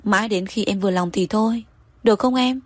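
Woman doing a young husband begging his wife, wheedling, kinda breathy. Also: mid-range voice, a little slow, no room sound, lightly acted. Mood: pleading. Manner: soft wheedling pleading. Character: coaxing young husband, pleading and possessive.

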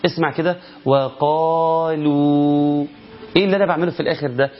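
A man with an Egyptian accent teaching Quran recitation, asking rhetorical questions and chanting drawn-out verses to show the rules. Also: on the high side, husky, soft background music. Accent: Egyptian Arabic. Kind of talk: recitation lesson. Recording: lo-fi muffled recording.

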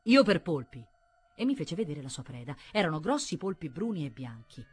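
Woman, audiobook narration, husky voice, faint music behind. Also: deep voice. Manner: measured and expressive. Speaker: audiobook reader.

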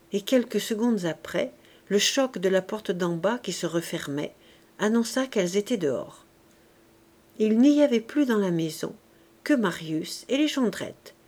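A woman narrating a classic novel as an audiobook reader, in a measured, expressive way. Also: medium pitch. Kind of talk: scripted narration.

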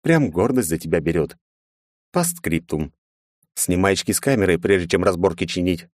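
A man's voice: deep voice, lively intonation, moderate pace, dry recording, studio quality. A man reading an audiobook voices a sly fox-woman sending a sarcastic text.

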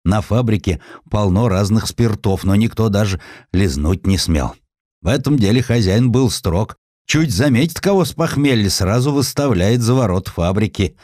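A man's voice: on the low side, lively intonation, moderate pace, a little mellow, no echo, studio quality. A man voicing an elderly factory veteran who recalls things in a plain, homely way. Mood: fond.

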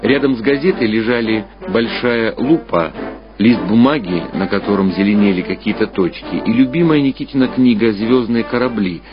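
A man reading literary fiction aloud as a narrator, with measured, expressive dramatic storytelling. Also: lowish voice. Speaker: audiobook narrator. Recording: muffled radio-style sound, music behind. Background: clear background music.

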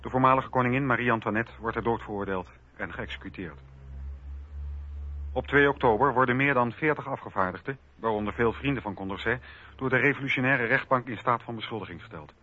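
A man narrating a historical radio drama from a script in a measured, factual way. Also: medium pitch, sharp tone. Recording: slightly dull radio recording.

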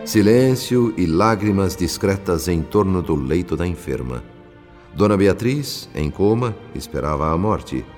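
An actor playing a grave, compassionate spirit narrator, telling a radio drama in a solemn, literary manner. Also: male voice, deep voice, expressive, a little slow, darkish tone, soft background music. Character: grave, compassionate male spirit narrator recounting his work.

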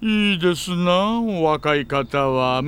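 Wily, swooping-voiced middle-aged detective. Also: male voice, fairly high pitch, expressive, slow pace, fairly bright tone. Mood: jovial chatter. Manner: unctuously polite, insinuating, chuckling formality. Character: wily, smooth-talking middle-aged male police detective. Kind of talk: Japanese audio drama acting.

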